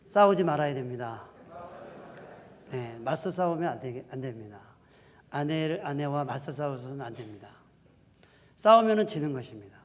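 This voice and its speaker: A male pastor preaching a sermon, swinging between loud declarations and soft asides. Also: medium pitch, animated, normal speed, long pauses. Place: church sanctuary. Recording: long hall reverb.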